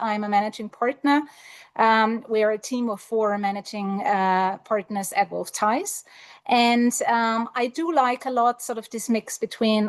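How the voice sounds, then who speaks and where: Higher-voiced professional woman on a panel. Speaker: panelist, managing partner at law firm. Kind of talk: panel discussion, career account.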